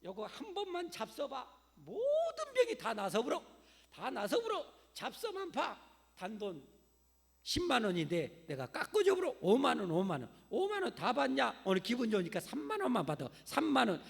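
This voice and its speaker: Pastor doing a loud, high, gravelly snake-oil hawker, bargaining hard; echoey church hall. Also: male voice, huge pitch swings, moderate pace, full character voice. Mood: hawking. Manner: haggling, coaxing, loud sales patter. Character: pushy fast-talking male street medicine peddler.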